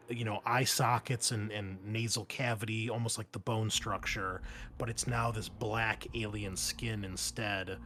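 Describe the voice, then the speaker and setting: A man working as game master, narrating a tabletop horror game in vivid, gory detail with dramatic pauses. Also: mid-range voice, a bit bright, slight background noise.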